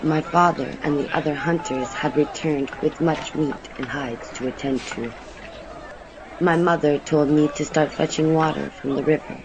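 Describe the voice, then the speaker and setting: Man narrating as a higher-pitched young maiden storyteller, noisy track. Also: steady tone, normal speed, lo-fi sound, a crowd in the background, natural voice. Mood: earnest, secretive. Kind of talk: first-person audio drama narration.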